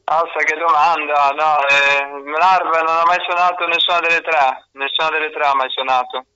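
A man's voice: fairly high pitch, steady tone, moderate pace, pushed and bright, smooth, no room sound, lo-fi sound. A man who is a singer, calling in and chatting casually over a landline phone, answering hesitantly in short agreeing bits. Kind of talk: casual phone chat with a host.

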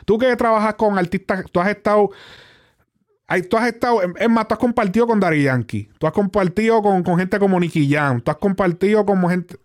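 A male interviewer with a Caribbean Spanish accent chats in easy Spanglish, sliding between Spanish and English. His voice is fairly high and clean, with a smooth, resonant tone. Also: a little fast. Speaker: interviewer and show host. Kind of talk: casual conversational interview.

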